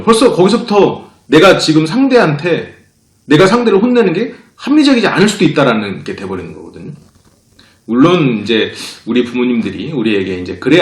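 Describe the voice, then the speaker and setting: A man who runs a psychology talk channel, explaining a point and acting out short quoted lines as he goes. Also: mid-range voice. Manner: lively, acts out quoted speakers. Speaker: psychology channel director and lecturer. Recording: roomy echo.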